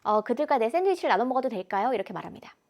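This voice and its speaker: A woman English teacher explaining exam answers in a lecture, animated and mixing in English examples. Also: fairly high pitch, racing, creaky. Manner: animated, switches between Korean and English examples.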